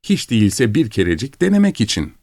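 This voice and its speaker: A man voicing an eager, fawning male sycophant in an audiobook, talking in a wheedling, flattering way. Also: medium pitch, a little fast, dry recording, clean studio sound, voice pushed up. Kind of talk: audiobook character reading.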